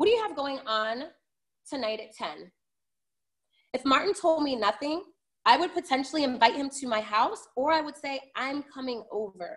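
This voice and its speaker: A woman talks at a high pitch with a bright, sharp tone. Her delivery is animated, with lively intonation at a fairly quick pace. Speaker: network marketing trainer. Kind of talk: sales training talk. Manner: fast, rushed.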